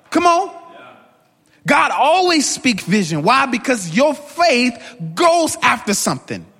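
Raised and projected, a man's bright, sharp voice with an American accent goes extremely high in pitch with very wide swings, moving at a fairly slow pace with long, frequent pauses and very even loudness. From US urban housing projects. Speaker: guest preacher. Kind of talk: sermon. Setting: church. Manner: animated.

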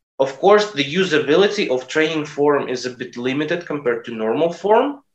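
With a non-native accent, a man speaks at a moderate pace. His intonation is lively. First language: not English. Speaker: weighted calisthenics athlete. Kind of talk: interview.

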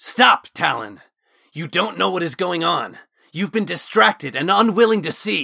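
A man's high-pitched, put-on character voice with very wide pitch swings. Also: moderate pace. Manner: harsh but pleading.

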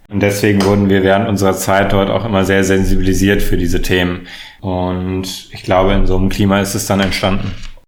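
Talking at a fairly quick pace, a man keeps a fairly low pitch and a monotone, flat intonation. Room echo is audible, along with noticeable background noise. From Berlin, Germany. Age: young. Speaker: co-founder of a youth crisis chat service. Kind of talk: interview.

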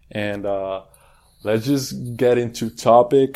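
With a Spanish accent, a man speaks at a medium pitch in a dark, mellow tone, recorded very cleanly against a silent background. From Colombia. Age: 20s. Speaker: podcast host, business student. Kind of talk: interview.

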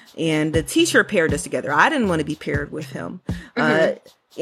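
A woman speaks at a fairly quick pace against noticeable background noise. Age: 40s. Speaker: podcast co-host. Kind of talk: casual chat.

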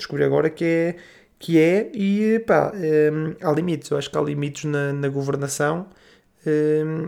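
The recording is very clean with a silent background, and the man on it has a fairly high pitch. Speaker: podcast host. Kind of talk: solo political commentary podcast. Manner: hesitant, many fillers.

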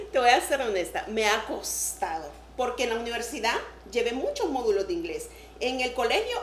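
A woman's high voice with very wide pitch swings at a moderate pace, with audible room echo and noticeable background noise. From Honduras. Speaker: former journalist and beauty queen. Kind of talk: interview.

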